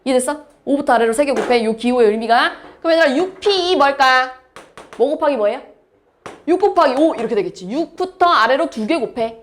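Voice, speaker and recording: High-voiced woman teaching a math class. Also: brisk, a little hiss or hum. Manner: explains step by step, asks students questions. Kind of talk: classroom lecture.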